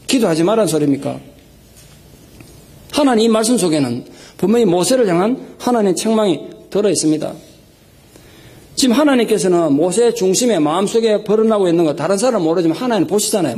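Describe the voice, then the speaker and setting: Fast, husky-voiced male pastor preaching. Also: high voice, dark tone. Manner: emphatic preaching, acting out prayers and rebukes in raised tones. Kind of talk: sermon. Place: church sanctuary. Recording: live sermon recording.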